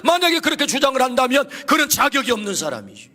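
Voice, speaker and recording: A pastor in his fifties preaching a sermon in a church, telling stories with swings from soft to shouting. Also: very high voice, big pitch swings, quick pace. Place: church sanctuary. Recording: long reverb of a church hall.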